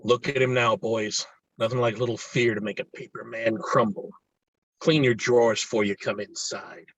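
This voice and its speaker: Man playing a cruel, low-key menacing father. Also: steady tone, moderate pace, a bit bright, slightly rough, no room sound, highs cut off. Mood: contemptuous. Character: cruel, bullying small-town cop father, contemptuous. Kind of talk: amateur screenplay table read.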